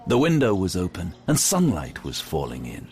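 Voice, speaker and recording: A grim, defiant detective in a gothic audio drama. His voice is low and brooding with dramatic, wide swings, over clearly audible background noise. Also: wildly swooping pitch, normal speed, a little mellow, exaggerated voice. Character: grim detective hero, captive, wary and defiant. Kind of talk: audio drama acting with first-person narration.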